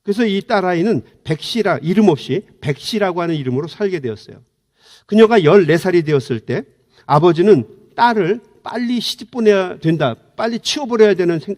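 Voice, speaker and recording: A man's voice: a little high, a little mellow. A man preaching a sermon as pastor, impassioned, acting out prayers and quoted words. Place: church sanctuary. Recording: long church hall reverb.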